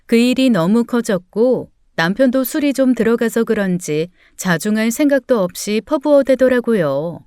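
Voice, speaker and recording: A woman's voice: on the high side, warm tone, clean tone, no echo, studio quality. A woman narrating a true-life story in the first person for a radio-style reading, in a confessional manner. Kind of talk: scripted story narration with acted dialogue.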